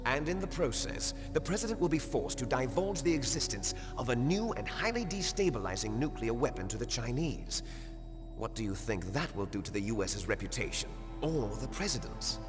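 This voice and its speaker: A man acts out a ruthless terrorist commander in a video game cutscene, grandiose and menacing. His delivery swings widely in pitch as he gives orders. Long reverb and clear background music surround him. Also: big pitch swings, moderate pace, natural voice. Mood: cold scheming. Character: ruthless male military commander of a terrorist unit, megalomaniac. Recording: long hall reverb under loud music.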